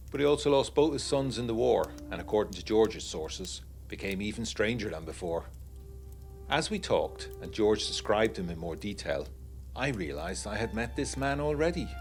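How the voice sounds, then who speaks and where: Gothic audiodrama lead: young gentleman veteran, low-pitched, wry, literary letter narration over music. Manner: literary, genteel, wryly confiding. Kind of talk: scripted first-person letter narration, gothic period audiodrama.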